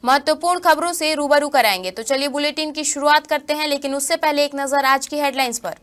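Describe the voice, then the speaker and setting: High-voiced woman reading news. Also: brisk, soft background music. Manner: formal, steady headline delivery. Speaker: news anchor. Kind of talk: read news bulletin.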